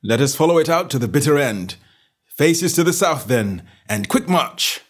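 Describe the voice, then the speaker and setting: A man voicing a shrewd gentleman detective in a story reading, self-assured and genteel with a careless, goading manner. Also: medium pitch, expressive, moderate pace, pitched above the performer's own voice, lightly acted. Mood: resolute.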